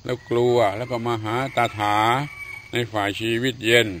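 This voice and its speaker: An older man, a Buddhist monk from Thailand, giving a slow, measured sermon with occasional hesitant fillers. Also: medium pitch, little pitch movement, fairly bright tone, slight background noise.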